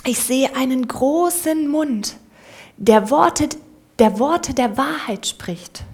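A woman voicing a timid little female church mouse with a squeaky, piping voice. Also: level tone, unhurried, vocal fry, warm tone. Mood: awed praise. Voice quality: squeaky, stammering.

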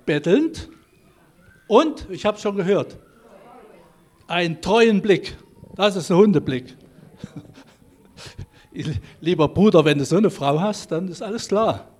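A pastor giving a children's sermon and then a sermon, speaking lively and asking the congregation questions, holding a microphone in a church. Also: male voice, sits high, takes it slowly, long pauses. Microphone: handheld microphone.

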